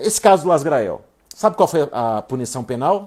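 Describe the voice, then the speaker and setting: On a very clean recording with a silent background, a man talks at a fairly slow pace with very wide pitch swings. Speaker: law professor and author. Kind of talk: live-stream lecture. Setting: live stream. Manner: animated.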